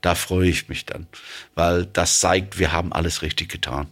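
A man's voice: low voice, steady tone, moderate pace, fairly bright tone. A man from England with an English accent, a plant manager answering interview questions hesitantly, with many fillers.

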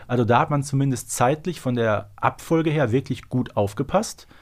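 A man's voice: medium pitch, moderate pace. Chatty middle-aged man, casual podcast host. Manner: chatty, exclamatory, colloquial. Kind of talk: casual fan discussion.

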